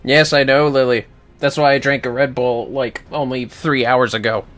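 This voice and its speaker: A man's voice: medium pitch, fairly even intonation, moderate pace, a bit bright. A man giving casual livestream commentary on a game, chatting in informal asides with some swearing.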